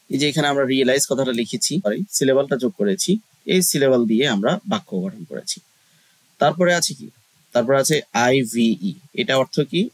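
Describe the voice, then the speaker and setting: A man's voice: medium pitch, no echo, poor audio. Man tutoring, dry close sound. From Bangladesh. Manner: explains step by step with frequent "ah" fillers. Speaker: online English tutor. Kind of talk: casual lesson walkthrough.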